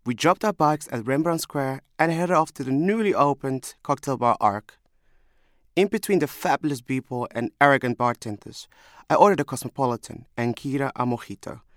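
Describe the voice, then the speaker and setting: A young man from Somalia reads a scripted first-person memoir in a measured, reflective way. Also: mid-range voice, no echo, clean studio sound. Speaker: storyteller.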